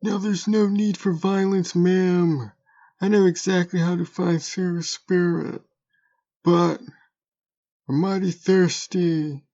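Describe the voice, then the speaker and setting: Small sly creature, played by a man, audio drama, highish pitch, unhurried, mock-polite, folksy, dull lo-fi sound. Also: little pitch movement, mellow. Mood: sly, smug. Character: small ugly bridge creature, sly, smug, polite haggler.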